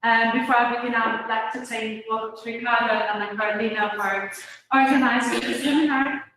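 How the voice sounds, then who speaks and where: A woman's voice: on the high side, steady tone, a little fast, a bit bright. A woman from Turkey giving an academic seminar presentation as a guest university lecturer. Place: university seminar room, indoors. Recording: distant mic, very echoey room, faint noise.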